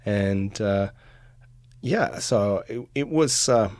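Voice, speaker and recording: A man's voice: on the low side, takes it slowly, darkish tone, no echo, studio quality. A middle-aged man from Australia, a sports reporter talking casually on a podcast, with many fillers and restarts.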